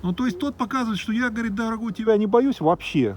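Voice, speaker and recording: A man's voice: sits high, fast, a little mellow, slight background noise. A man giving casual live commentary on what he watches, wondering and exclaiming aloud in a conversational way.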